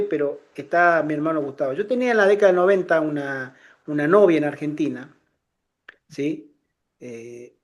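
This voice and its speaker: A middle-aged man telling personal stories in a casual conversation, animated, restarting phrases often and acting out the voices of people in his anecdotes. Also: a little high.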